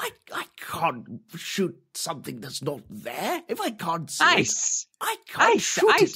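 A put-on character voice in a British accent at a very slow pace. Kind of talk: posh, refined.

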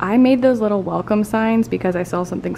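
Soft-spoken and fairly quick, a woman talks with ordinary pitch variation over light background noise. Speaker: elementary school teacher. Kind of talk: casual vlog narration. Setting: empty school classroom. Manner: quiet, soft-spoken. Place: classroom. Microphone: phone near.

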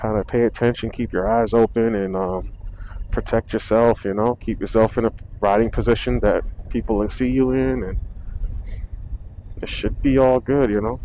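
A man speaks at a moderate pace with fairly even intonation and long, frequent pauses. Light background noise sits under a dry sound with no echo. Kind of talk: casual vlog chat. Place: motorbike. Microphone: helmet.

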